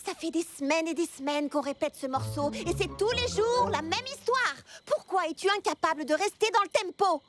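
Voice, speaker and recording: A woman voicing an excitable, insistent cartoon girl with an emphatic way of talking. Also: very high-pitched, normal speed, few pauses, over loud music. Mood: exasperated.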